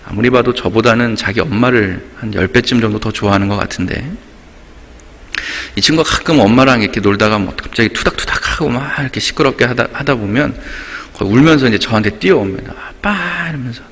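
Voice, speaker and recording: A man's voice: on the low side, quick pace, a bit bright. A man preaching an early-morning prayer sermon as pastor, telling stories and acting out quotes. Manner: storytelling, acts out quotes. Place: church sanctuary. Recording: long reverb of a church hall.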